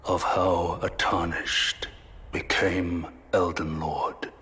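A male actor playing a grave, deliberate storyteller of a fallen realm in a dark fantasy game, with a breathy delivery. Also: sits low, flat delivery, exaggerated voice. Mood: solemn, grave. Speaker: narrator. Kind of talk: solemn scripted dark fantasy game narration.

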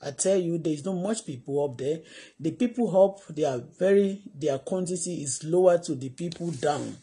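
Brief: middle-aged Nigerian woman, Yoruba accent, husky and mellow, emphatic vlogger on a phone. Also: sits low, animated, moderate pace. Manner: fervent, repetitive prayer cadence, emphatic. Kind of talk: prayer then commentary on a live stream. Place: indoor room. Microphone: phone camera at arm's length.

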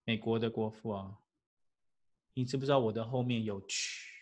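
Lively male English teacher. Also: fairly low pitch, normal speed. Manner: lively, full of rhetorical questions and chuckles. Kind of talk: classroom lecture.

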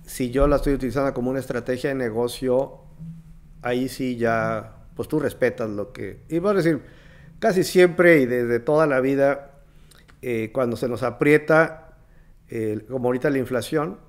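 A man's voice: mid-range voice, normal speed. A man in his fifties with a northern Mexican accent, hosting a business podcast and asking long hypothetical questions. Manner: asks long hypothetical questions, short backchannels. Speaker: podcast host. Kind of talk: business interview. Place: office meeting room. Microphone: studio mic on desk stand.

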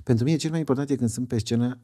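A middle-aged man, a guest singer, chatting casually in an interview and telling stories with lively swings in his voice. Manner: animated storytelling, lively pitch swings.

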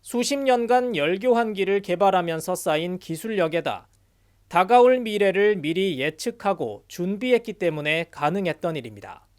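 Scripted news report narrator with mid-range pitch. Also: animated, normal speed.

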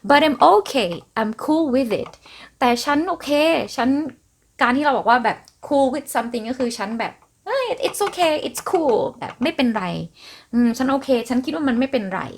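Chatty young woman podcast host. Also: on the high side. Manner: explains song lyrics line by line, chatty and playful. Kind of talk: casual explanatory podcast talk.

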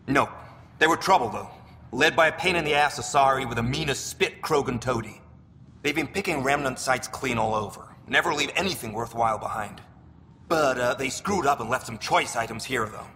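A man acts out a shifty alien scavenger trader with a bright, forceful edge to his voice. He is slick and wheedling, a hesitant salesman. The game dialogue rings in a long hollow reverb with faint noise. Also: medium pitch, moderate pace, close to an everyday voice. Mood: grumbling, salesy. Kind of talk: video game dialogue acting.

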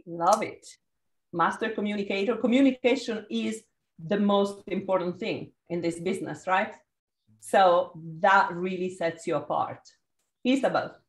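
A woman's voice: mid-range voice, measured pace, roomy sound. Italian-accented woman leading a video workshop. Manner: energetic, encouraging, calls on participants. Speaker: workshop facilitator. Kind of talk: leading a group video call. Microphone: video call.

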